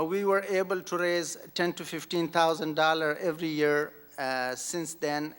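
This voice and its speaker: A middle-aged man with an Afghan accent gives a factual public speech in a halting, measured manner. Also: a little high, a bit bright, clean tone. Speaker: nonprofit founder speaking at an event. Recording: long hall reverberation.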